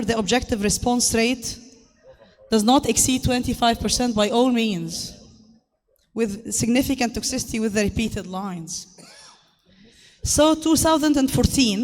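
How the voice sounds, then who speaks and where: A woman with a harsh, hoarse voice gives a formal medical lecture as a conference speaker, in a halting, hesitant delivery. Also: a little high, darkish tone. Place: large conference hall. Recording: echoey hall, long reverb.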